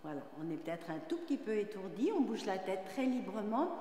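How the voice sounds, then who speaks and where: A woman teaching a dance class, calling out breathing cues and demonstrating vowel sounds that climb into high sung notes. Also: sing-song, brisk, warm tone. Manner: demonstrates vowels on sung, rising pitches between spoken cues. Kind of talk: guiding a class through vocal warm-up exercises. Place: large dance studio. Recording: echoey studio with long reverb.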